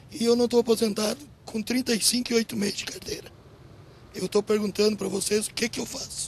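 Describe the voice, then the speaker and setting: A man's high-pitched voice at a fairly quick pace, fairly even intonation, noticeable background noise. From Novo Hamburgo, southern Brazil. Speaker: viewer asking a question. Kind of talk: recorded viewer question.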